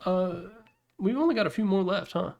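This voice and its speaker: A man's voice: sits high, lively intonation, normal speed, gravelly, darkish tone. A man giving casual, opinionated commentary as the host of a ranking, talking in a rambling, blunt, slangy way. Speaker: host ranking video game announcer packs.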